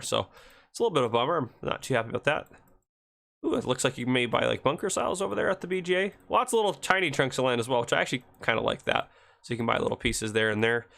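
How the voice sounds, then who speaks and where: Congested man with a gravelly voice. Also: medium pitch, a bit bright. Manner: chatty, rambling, self-correcting. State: congested from a cold. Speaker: game video host. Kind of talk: casual gameplay commentary.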